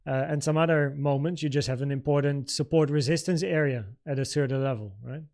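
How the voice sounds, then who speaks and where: A man's voice: fairly high pitch, brisk, a little mellow. A man from the Netherlands, a native Dutch speaker in his thirties, hosting a casual trading livestream, informally thinking aloud as he takes viewer questions. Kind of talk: casual livestream Q&A and market commentary.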